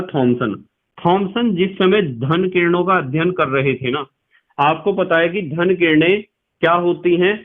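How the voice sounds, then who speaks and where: A male chemistry teacher giving a patient lecture, repeating key points and quizzing his students. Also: a little high. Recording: tinny lo-fi sound.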